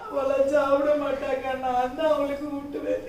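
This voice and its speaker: A woman's voice: sits high, level tone, moderate pace, a little mellow, close to an everyday voice. A woman playing a sorrowful, devoted mother in an amateur drama, with a southern Tamil Nadu accent, speaking in tearful laments and tender baby talk. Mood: tearful despair. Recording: echoey room, distant mic, faint noise.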